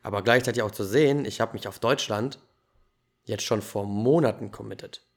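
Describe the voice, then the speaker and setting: A man hosting a podcast, telling his own story in a lively, casual way with youthful slang. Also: lowish voice, moderate pace. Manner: animated storytelling, laughs easily, youthful slang. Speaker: podcast host.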